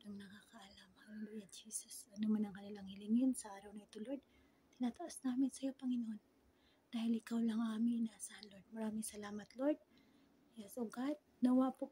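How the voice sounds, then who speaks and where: A middle-aged woman with a Filipino accent and a husky voice, speaking earnestly as she leads Christian devotion for online viewers. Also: medium pitch, warm tone. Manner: earnest, pleading, repeatedly addressing God. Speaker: online Christian prayer leader. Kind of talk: devotional prayer and exhortation to viewers. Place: small indoor room. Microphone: phone at arm's length.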